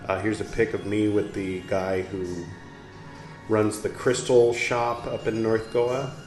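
Guy reading slow and low, chatty asides, roomy room with soft music behind. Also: flat delivery. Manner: unhurried, musing, talks back to the text. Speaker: podcast host reading aloud. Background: soft instrumental music.

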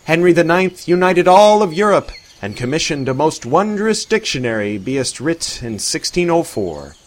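A jovial man who speaks in mock-archaic English, as a narrator puts him on. He talks high and loud, with lively swings in pitch. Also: normal speed. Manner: mock-archaic speech, laughing.

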